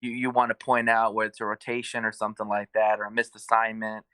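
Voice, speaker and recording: A man speaks as a guest on a video call, friendly and agreeable as he explains his points. His voice is bright and sharp, recorded dry through a webcam. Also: on the low side, completely flat delivery, quick pace, clear, resonant tone, dry recording. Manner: conversational, agreeable, explains with examples. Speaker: guest and youth basketball coach. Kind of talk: casual chat on a video call.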